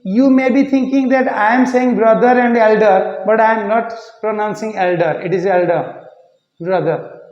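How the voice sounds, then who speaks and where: A man teaching an English pronunciation lesson, repeating words slowly to show how they should sound. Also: high voice, steady tone, darkish tone. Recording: echoey room, muffled lo-fi sound.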